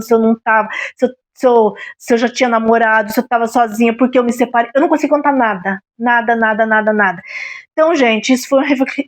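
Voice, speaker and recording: A middle-aged woman with a Brazilian accent speaks in a high voice. She tells a personal story on her vlog, confiding and often turning to her listeners to make sure they are following. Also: a little mellow. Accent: Brazilian Portuguese. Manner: confiding, repeatedly checks in with the listener. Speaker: vlogger.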